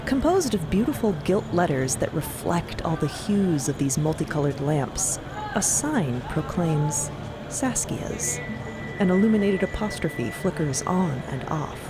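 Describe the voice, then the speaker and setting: Expressive woman narrator with lively intonation. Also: on the low side, a little slow, over music. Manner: expressive, descriptive storytelling. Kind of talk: scripted narration of a fantasy audio drama.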